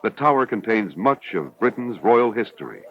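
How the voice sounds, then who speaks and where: A man with a low voice and lively intonation delivers formal, measured narration for a 1970s educational film. The soundtrack is dull, with a slight hiss. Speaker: documentary narrator.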